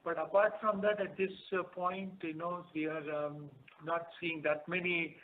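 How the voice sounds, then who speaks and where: Higher-pitched Indian executive on noisy phone line. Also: male voice, steady tone, unhurried. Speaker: company executive answering investor questions. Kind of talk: corporate conference call answers. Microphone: telephone conference line. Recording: narrowband phone line with background noise.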